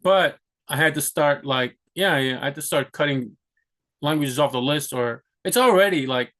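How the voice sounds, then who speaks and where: A young vlogger from the US, his voice on the high side and a bit bright, talks to camera at a normal speed. His casual, rambling account of his own plans is full of fillers and false starts.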